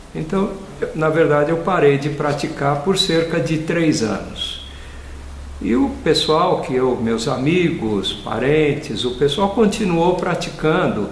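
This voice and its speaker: A very slow, fairly high-pitched male voice with lively intonation, audible room echo and noticeable background noise. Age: 60s. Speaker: lawyer and spearfisherman sharing a near-death experience. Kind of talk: personal testimony. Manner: hesitant, with self-corrections.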